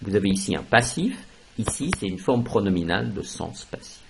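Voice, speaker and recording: A man teaching a French grammar lesson, explaining slowly and stressing key words, switching into English for translations. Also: on the low side, very animated, creaky, background noise.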